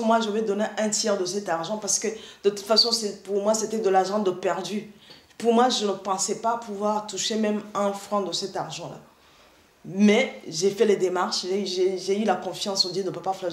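Middle-aged woman from Rwanda, earnest halting testimony, many restarts, video call, echoey room. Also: mid-range voice. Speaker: testifying church member. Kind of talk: spoken testimony. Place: indoor room, seated in armchair.

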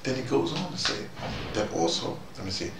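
A man in his fifties giving a rambling spoken talk to a small group, jumping between ideas and leaping up in pitch for emphasis. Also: very animated, brisk. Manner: digressive, with sudden rising emphasis. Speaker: commentator speaking to a small audience. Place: small room indoors. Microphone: far camera mic. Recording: roomy, distant, noisy.

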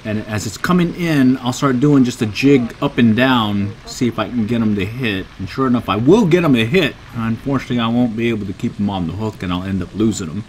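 A fishing vlogger talks casually about his trip from a pier on a park pond, chuckling as he explains his gear and catches. His medium-pitched voice is lively and brisk, with hardly any pauses. The action camera recording picks up a little hiss or hum.

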